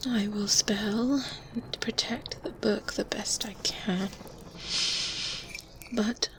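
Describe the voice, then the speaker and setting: Woman playing a slow whispering witch. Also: mid-range voice, fairly even intonation, natural voice, rough recording. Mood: calm, self-assured. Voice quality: breathy, whispered. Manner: slow, deliberate, hesitant pauses with hums. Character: experienced older-sister good witch, self-assured, gently condescending. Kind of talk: softly spoken and whispered ASMR fantasy roleplay. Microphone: close binaural microphone. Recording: faint ambience noise behind close whispers. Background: medieval ambience sounds.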